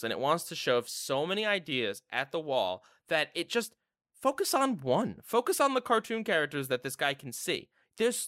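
Male podcast host, casual chat, bright forceful tone, swoops all over while he rants. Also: mid-range voice, no echo, studio quality. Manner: animated, exasperated ranting full of "like".

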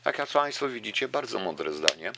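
A man's voice: lowish voice, sing-song, normal speed, vocal fry, background noise. A man reading a novel aloud and musing about it to his listeners, addressing them politely. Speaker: book reader and commentator. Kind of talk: reading aloud and casual commentary.

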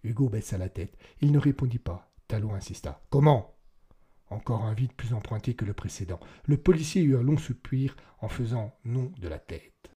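A man narrating an audiobook in a calm, measured storytelling manner. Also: medium pitch, husky.

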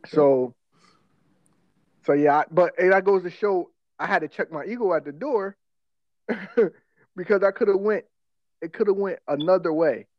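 A man's voice: high-pitched, no room sound, lo-fi sound. A man with an African American English accent chatting casually as a podcast co-host, telling stories in profane slang. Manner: slangy, profane, quick to laugh. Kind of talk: casual chat, personal storytelling.

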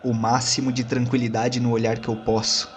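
A man improvising dramatic first-person narration as a role-play player, reflective, in short phrases with pauses. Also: medium pitch, completely flat delivery.

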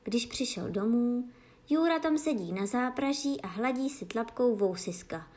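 A woman reads a fairy tale aloud as a bedtime story. Her voice is fairly high, gentle and expressive, made for lulling children to sleep.

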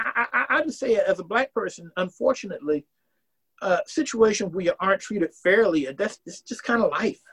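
An academic guest of about sixty with a Southern American background talks earnestly in a casual interview, his voice sitting high. He restarts phrases now and then as he reasons out loud.

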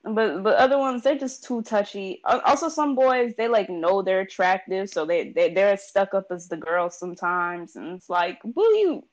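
A woman's voice: medium pitch, animated, normal speed, hardly any pauses, highs cut off. Blunt, profane young woman. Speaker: interviewee. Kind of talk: casual chat. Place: New York.

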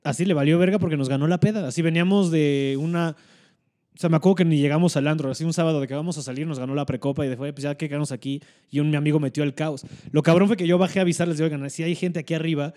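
A young Mexican man talks at a rapid clip in a slightly raised voice, his tone mellow and unpolished. He tells crude, joking stories with plenty of slang in relaxed podcast banter. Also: a little high. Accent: Mexican Spanish. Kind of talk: casual chat.

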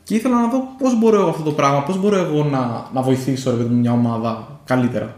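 A man's voice: medium pitch, darkish tone. A man co-hosting a podcast, chatting casually and circling back with fillers and restarts. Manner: rambling, many fillers and restarts. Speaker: podcast co-host. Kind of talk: casual chat. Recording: echoey room with faint noise.

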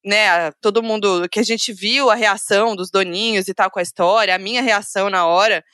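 Woman, Brazilian Portuguese accent, podcast co-host, casual chat, giggly storytelling, very bright voice, dry close sound. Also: mid-range voice, fairly even intonation, a little fast, clear, resonant tone, dry recording.

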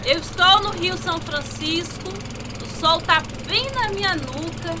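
An actress playing a sharp, wary ex-detective in an audio drama, exasperated and teasing. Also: female voice, extremely high pitch, measured pace, noisy background. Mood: dreamy. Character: sharp, wary female ex-detective travelling the river.

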